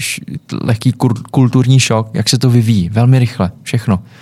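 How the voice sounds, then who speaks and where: A man speaks in a plain, everyday voice at medium pitch, with fairly even intonation and a moderate pace. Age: 20s. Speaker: social media creator. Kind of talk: interview.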